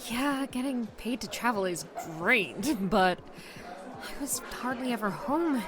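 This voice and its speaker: Casting: young female vlogger, doting but nagging best friend, very animated, coaxing and teasing, audio drama with music underneath. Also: a little high, takes it slowly. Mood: chatty, candid. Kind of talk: naturalistic audio drama dialogue.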